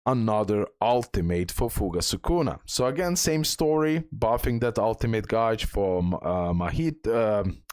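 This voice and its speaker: A man's voice: on the low side, animated, a little slow, few pauses, a little mellow, clear, resonant tone, no room sound, studio quality. A man giving casual gameplay commentary as the host of a game guide, repeating himself and checking in with the listener.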